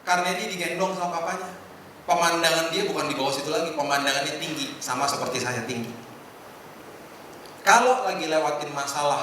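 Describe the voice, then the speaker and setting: A middle-aged male pastor giving a lively, humorous sermon and acting out the lines he quotes. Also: mid-range voice, a little hiss or hum. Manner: animated, humorous preaching with acted-out quotes. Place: hotel function hall. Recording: echoey hall from far off.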